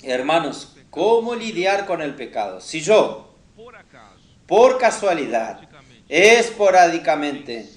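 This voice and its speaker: A man preaching a teaching sermon to teenagers in a didactic way, often putting questions to his listeners. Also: on the high side. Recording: roomy, echoing sound.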